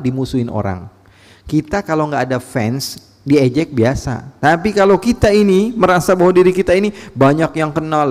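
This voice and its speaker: A man delivers a spirited sermon in rapid, animated bursts. His voice sits fairly high and has a gravelly rasp. The sound rings with the long reverb of a large mosque hall. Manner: animated storytelling, mixes casual slang with religious phrases. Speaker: preacher. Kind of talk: lively sermon to a congregation.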